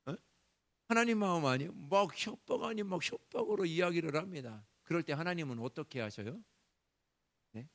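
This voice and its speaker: A male pastor preaching a Sunday sermon, animated, acting out prayers in a raised voice. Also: fairly high pitch, moderate pace, long pauses. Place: church sanctuary.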